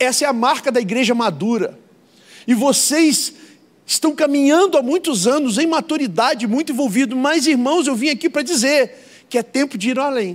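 At a moderate pace, a man speaks with an extremely high pitch, ordinary pitch variation and very even loudness. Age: 50s. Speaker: missionary pastor. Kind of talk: sermon. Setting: church. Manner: halting.

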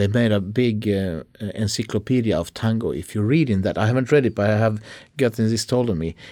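A man with a Finnish accent, a dark, mellow tone and ordinary pitch variation, on a very clean recording with a silent background. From Finland. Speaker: accordionist and music teacher. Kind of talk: interview. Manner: hesitant, many fillers.

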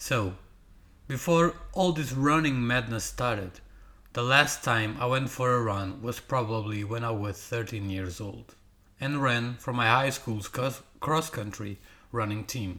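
A man at a medium pitch with a Portuguese accent, fairly slow, with ordinary pitch variation. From Portugal. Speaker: amateur running podcaster. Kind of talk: casual monologue, partly reading blog posts. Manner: halting, many fillers and repetitions.

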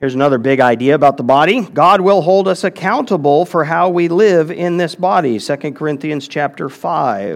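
A man with an ordinary speaking voice, fairly high pitch and moderate pace, against a quiet background. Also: lively intonation, hardly any pauses. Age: 50s. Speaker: pastor. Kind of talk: sermon.

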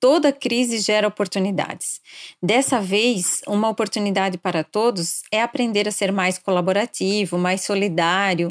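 A woman with a plain, everyday voice speaks at a medium pitch and moderate pace, with ordinary pitch variation and very even loudness. The recording is very clean with a silent background and a dry, close sound with no echo. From southern Brazil, Blumenau (Santa Catarina). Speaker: communication consultant and journalist. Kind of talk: interview.

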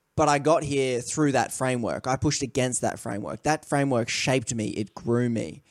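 Recorded very cleanly against a silent background, a man with an Australian accent talks fairly quickly at a medium pitch with ordinary pitch variation. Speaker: podcast host. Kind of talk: casual chat.

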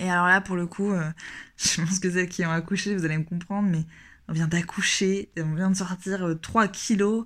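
The recording is very clean, with a silent background. A woman talks at a medium pitch in a monotone, flat intonation. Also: moderate pace. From Normandy, France. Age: 30s. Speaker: listener giving testimony. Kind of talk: recorded testimony. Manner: halting.

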